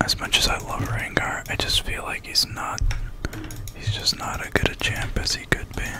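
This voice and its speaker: A whisper carries the words. It moves at a moderate pace. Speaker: ASMR gamer and streamer; ASMR gamer, streamer. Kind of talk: whispered gameplay commentary. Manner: whispered. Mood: mildly frustrated. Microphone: studio mic.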